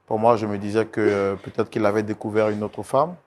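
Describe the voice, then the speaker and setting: A man's voice: on the low side, level tone, fairly quick. A male talk show host on a studio set, pleading and soothing a guest over and over in an emotional testimony show. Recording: noisy studio recording.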